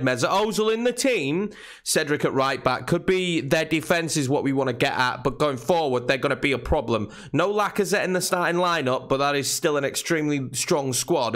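A young man with a slightly nasal, croaky voice from a cold, chatting casually as he commentates his own football video game. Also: a little high. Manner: chatty, excitable at chances. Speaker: gaming channel host.

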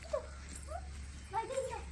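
A woman's voice: moderate pace, background noise. A woman talking to her pet bird in a garden, coaxing it in baby talk and chatting about its habits for a casual vlog. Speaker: pet vlogger.

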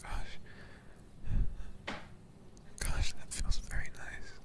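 Man playing a deep whispering weary knight, whispered role-play. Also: steady tone. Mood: soft, soothed. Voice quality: breathy whisper with gravelly low edge. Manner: slow, halting, intimate, tender knightly speech. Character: weary, tender male knight devoted to a lover. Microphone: close microphone.

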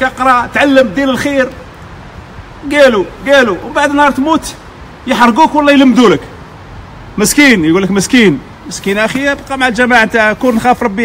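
Middle-aged Algerian man with an Algerian Arabic accent; rapid, impassioned community appeal, recorded outside with light street noise. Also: extremely high pitch, fairly bright tone. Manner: heated, exhorting, repetitive. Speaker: community vlogger. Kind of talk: impassioned advice monologue.

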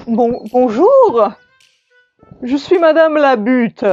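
A woman playing a prim, flustered grown woman who gives a hesitant testimonial in a comic sketch, full of pauses and fillers. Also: high-pitched, sing-song, a little mellow, highs cut off, soft background music, heavily acted.

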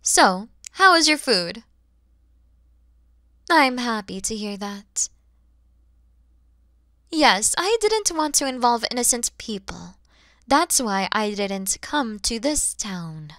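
A woman voicing a huge, kind, motherly dragon who is proud and teasing, in an ASMR roleplay, explaining things gently and patiently. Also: on the high side, very animated, slow, long pauses, no room sound, studio quality, full character voice. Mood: tender, amused. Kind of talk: ASMR audio roleplay addressed to the listener.

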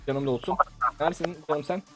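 Talking fast in a voice on the high side, a young man gives energetic commentary on a shooter match for his YouTube channel, with soft music underneath. He jokes, teases, and bursts into laughing shouts.

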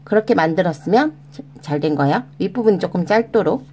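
A woman's voice: on the low side, animated, fast talker, warm tone, breathy edge. A woman hosting a children's origami tutorial, guiding step by step in a coaxing, sing-song way and talking to the kids as her friends. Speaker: children's origami channel host.

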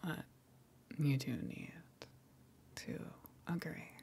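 A woman playing a gentle, lonely sea monster in an ASMR roleplay, coaxing softly in a breathy, soothing whisper. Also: rumbling low, wildly swooping pitch, heavily acted. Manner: slow, soothing, coaxing, long pauses.

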